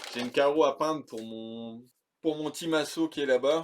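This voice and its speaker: A man's speech shows ordinary pitch variation and moves at a moderate pace. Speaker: RC car body painter, youtuber. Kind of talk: casual show-and-tell tutorial. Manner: animated.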